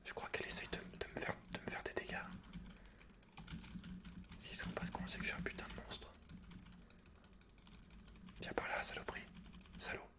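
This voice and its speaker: Keyboard typing sounds behind a man who whispers teasing, slangy ASMR commentary on his gameplay, close to the microphone. He speaks at a normal speed but leaves long pauses.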